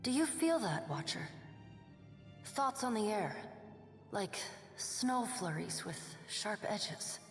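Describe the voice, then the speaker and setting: A sensitive young mystic woman in a fantasy game, dreamy and uneasy. She speaks slowly with a very mobile pitch. Long reverb surrounds her. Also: very animated, soft background music. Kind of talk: fantasy video game voice acting.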